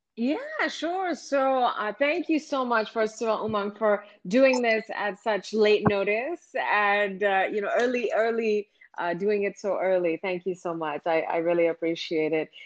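A plain, everyday voice from a woman, fairly high in pitch, with lively intonation, a fairly slow pace and hardly any pauses. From US (moved from India at nine). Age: 20s. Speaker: media entrepreneur and speaker. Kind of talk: interview. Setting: video call.

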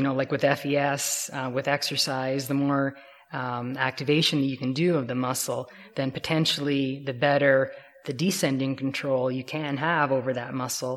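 A woman speaks with a very deep, low pitch. Her intonation is monotone and flat, at a moderate pace. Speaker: neuroscience professor. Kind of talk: casual interview.

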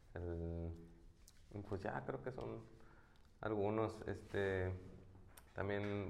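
Amid audible room echo and noticeable background noise, a man with a fairly low pitch speaks with long, frequent pauses. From Mexico, Torreón, Coahuila. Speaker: content creator. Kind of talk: interview. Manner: halting.

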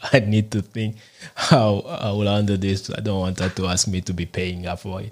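The speaker has a Congolese accent and a moderate pace. The intonation stays fairly even. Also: man, fairly low pitch for a man. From DR Congo. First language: French. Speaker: podcast host. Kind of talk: solo podcast monologue, reflective. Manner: halting, with repeated words.

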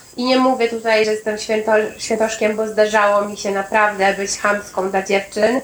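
The voice keeps a monotone, flat intonation at a moderate pace against noticeable background noise. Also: woman, fairly high pitch for a woman. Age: 20s. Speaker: podcast host. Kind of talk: casual chat.

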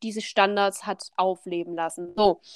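This woman's voice comes through a very clean recording with a silent background and a dry, close sound with no echo. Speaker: motorsport podcast host. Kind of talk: casual chat.

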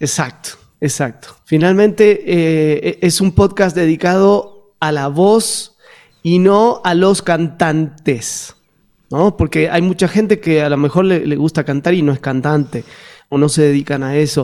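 A man's fairly high voice moves at a fairly slow pace with ordinary pitch variation. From Argentina, Rosario. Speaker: podcast host, singer and Alexander technique teacher. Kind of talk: casual chat. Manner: halting.

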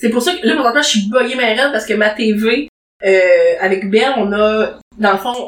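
In a rural Quebec accent, a woman speaks at a fairly high pitch with ordinary pitch variation. Her pace is fairly slow, with audible room echo. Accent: Quebec French, somewhat rural. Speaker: podcast co-host. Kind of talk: casual chat.

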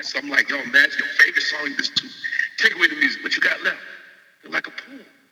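A man with an American accent talks at a very fast pace, his loudness swinging widely. Long, frequent pauses break up his speech, and there is noticeable background noise. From US South. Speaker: poet and musician. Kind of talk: interview. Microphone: poor audio quality.

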